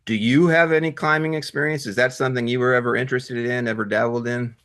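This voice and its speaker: A man hosting a conversational film interview, with slightly halting phrasing. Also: medium pitch, steady tone, a bit bright. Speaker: interviewer, show host.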